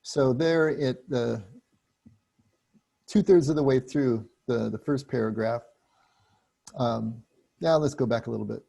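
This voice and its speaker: A man leading a group book study, explaining passages in a relaxed, chatty way with frequent restarts. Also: mid-range voice, a little slow, gravelly, long pauses, husky.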